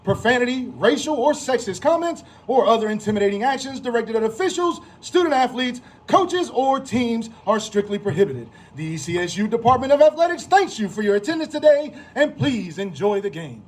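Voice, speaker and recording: A male American public address announcer with an extremely high-pitched voice. His delivery swoops up and down as he announces football lineups, stretching out names with theatrical flair. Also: animated. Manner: theatrical, drawn-out name calls.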